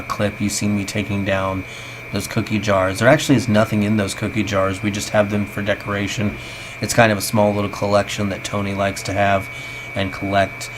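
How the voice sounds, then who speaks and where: A man in his thirties narrating a casual, chatty, self-deprecating vlog voice-over on a basic home microphone, sounding tinny, as if through a tin can. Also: fairly low pitch. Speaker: vlogger. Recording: tinny home voice-over, clear background noise.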